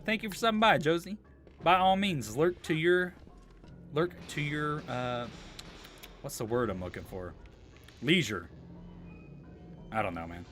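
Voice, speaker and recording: Here a mid-range, slightly bright male voice runs an informal game stream, chatting to viewers in slangy, profane commentary.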